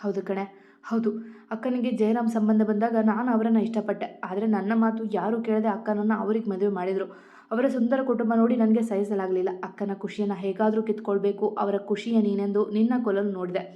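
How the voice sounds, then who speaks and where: A woman's voice: medium pitch, fairly even intonation, brisk, natural voice. Lady reading guilty aunt confessing, emotional, muffled sound. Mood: remorseful. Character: remorseful middle-aged aunt confessing a crime.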